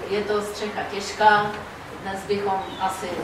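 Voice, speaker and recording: Amid noticeable background noise and audible room echo, a woman talks at a fairly slow pace. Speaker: seminar moderator. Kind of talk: panel moderation. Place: hall.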